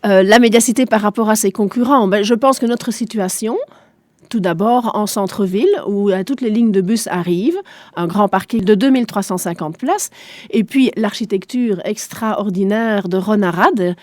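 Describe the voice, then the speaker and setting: Appearing as a radio guest, this shopping centre director, a native German speaker from eastern Belgium in her forties, responds in a calm, businesslike manner and backs up her points with figures. Her medium-pitched voice is a little mellow, at a normal pace, with no echo.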